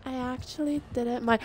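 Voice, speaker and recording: A woman giving casual gameplay commentary, jumpy and quick to laugh, swearing often. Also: on the high side, heavy background noise. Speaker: gamer.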